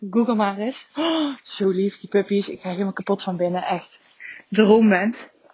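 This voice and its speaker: Animated and cheerful in tone, a woman speaks at medium pitch and a moderate pace, somewhat breathy. Her loudness swings widely while her pitch varies in an ordinary way. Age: 30s. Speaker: positive psychology coach and podcast host. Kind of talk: solo podcast monologue with exercise guidance. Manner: animated, cheerful with laughter.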